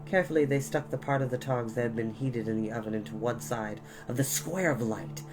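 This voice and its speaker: Woman reading a kids book aloud, deep-ish voice, deliberate and dramatic, music clearly behind her. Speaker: storyteller. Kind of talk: expressive audiobook-style narration of a children's novel.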